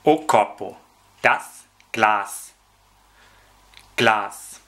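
A man teaching vocabulary in a slow, repetitive lesson, carefully pronouncing each word several times. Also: fairly low pitch, pushed and bright. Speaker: German language teacher.

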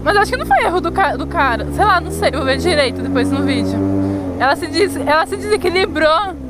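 Young girl motovlogging, high voice, chatty, loud traffic and engine behind her. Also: huge pitch swings, fairly quick, a loud crowd. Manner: chatty, exclaiming at traffic, laughing. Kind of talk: casual running commentary while riding. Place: outdoors on a motorcycle in city traffic. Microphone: helmet or camera mic while riding. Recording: wind and engine noise from a motorcycle ride. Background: traffic and motorcycle engine noise.

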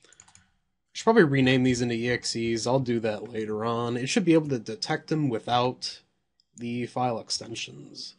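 A man with a slightly hoarse voice casually reviewing software at his computer, thinking aloud and swearing when surprised. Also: medium pitch, steady tone, moderate pace.

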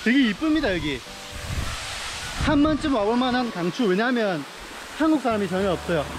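A young man chatting casually to a camera held at arm's length as he vlogs outdoors by a river and a jungle waterfall, upbeat and quick to get excited. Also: very high-pitched, background noise. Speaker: travel vlogger. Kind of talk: casual travel vlog.

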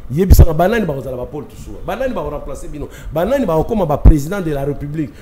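This Congolese man talks fast and hard, pressing every point, and his voice sits a little high for a man. He mixes French and Lingala in a studio talk-show discussion. Clear noise hangs behind him in the studio. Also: animated, roomy sound. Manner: emphatic, gesturing, mixing French and Lingala. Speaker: studio guest, opinion leader.

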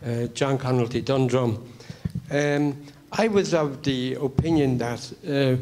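A middle-aged man from Ireland stands to speak from the floor of a public meeting, halting often with fillers as he builds his point. His voice sits at an ordinary middle pitch. He holds a handheld microphone in a large conference hall. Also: steady tone, a little mellow. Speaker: convention member.

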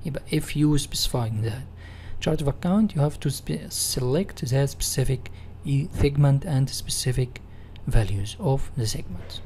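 A man with an Egyptian Arabic accent giving a software tutorial in non-native English, reading and rephrasing as an instructor. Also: medium pitch, expressive, moderate pace, few pauses, a little hiss or hum.

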